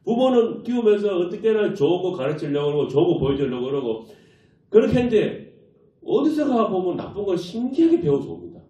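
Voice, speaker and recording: Lively male pastor preaching in echoey church. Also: high-pitched, a little fast. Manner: animated preaching, rhetorical questions to the congregation. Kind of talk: sermon. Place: church sanctuary. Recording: echoey church hall, distant mic, dull lo-fi.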